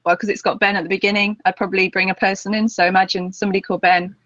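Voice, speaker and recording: A woman guest in an interview, explaining her methods in an even, matter-of-fact way. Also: mid-range voice, very fast, no room sound. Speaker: guest, memory competitor. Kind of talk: casual interview. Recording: dry, dull lo-fi sound.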